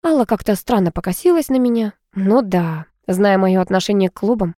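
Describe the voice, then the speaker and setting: Woman narrator for a first-person audiobook, expressive, dry booth sound. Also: mid-range voice, a little fast, dry recording.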